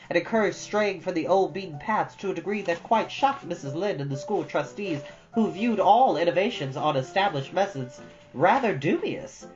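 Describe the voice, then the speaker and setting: Narrating in an audiobook style as a storytime host, a woman speaks in a low voice. The sound is slightly dull, with soft guitar music playing underneath.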